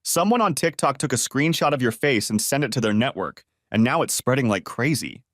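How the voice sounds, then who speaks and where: A cool, confident young woman lays out her scheme in a brisk, matter-of-fact way, read by a male narrator. The pitch moves a lot. The sound is dry and close. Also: animated, no echo, close to an everyday voice.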